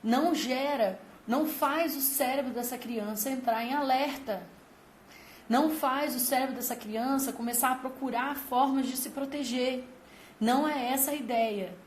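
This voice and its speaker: A woman's voice: high voice, a little mellow, a little hiss or hum. A woman hosting a parenting channel, talking to parents emphatically and explaining through vivid comparisons. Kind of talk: advice talk to parents. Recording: roomy echo with faint ambience.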